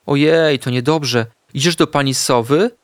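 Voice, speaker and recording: A man voicing a kind little female forest animal in a gentle, sympathetic tone for a storybook. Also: on the high side, unhurried, no room sound, studio quality, close to an everyday voice. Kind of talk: storybook character voice.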